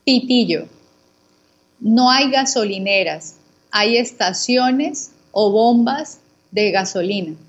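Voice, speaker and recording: A Colombian woman, a guest teacher, calmly contrasting words and giving examples for Spanish learners. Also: fairly high pitch, takes it slowly, dull audio. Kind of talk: slow didactic conversation for learners.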